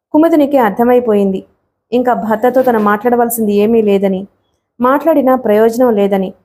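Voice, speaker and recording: Soft-voiced woman narrating a novel. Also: a little high. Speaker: audiobook narrator.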